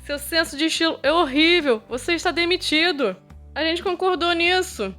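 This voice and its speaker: A woman reading the lines of a nervous, excitable teenage gang boy in a Brazilian Portuguese accent, stammering and pushy. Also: extremely high pitch, normal speed, faint music behind, voice pushed up.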